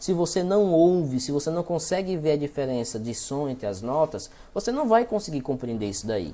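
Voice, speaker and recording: Moving through very wide pitch swings at a moderate pace, a man's fairly high voice has a dark, mellow tone. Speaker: music teacher. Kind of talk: lecture.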